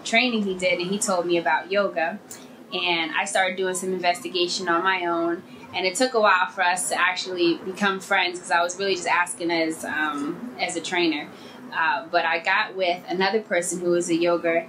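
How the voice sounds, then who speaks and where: A woman describing her path into yoga in a thoughtful, detailed way, with many pauses. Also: lowish voice, fairly bright tone. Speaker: interviewee, former personal trainer. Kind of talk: documentary interview. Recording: noisy recording.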